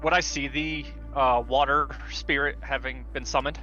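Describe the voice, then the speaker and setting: A man with a bright, forward voice talks casually as a player in a tabletop game. The audio is slightly dull, with music behind him. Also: medium pitch, steady tone, normal speed. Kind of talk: casual tabletop role-play chat.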